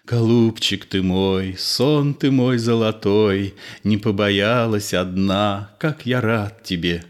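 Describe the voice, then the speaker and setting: A man reading an audiobook play, voicing a gentle, nervous man who speaks low and soothingly. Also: lively intonation, measured pace. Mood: tender.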